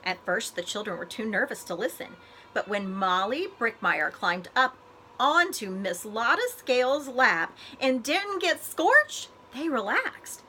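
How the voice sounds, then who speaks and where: Female storybook reader, librarian type; bright, expressive, animated delivery, some noise behind her. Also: on the high side. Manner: expressive, deliberate phrasing for children. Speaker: school librarian reading aloud to students. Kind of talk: animated children's storybook read-aloud.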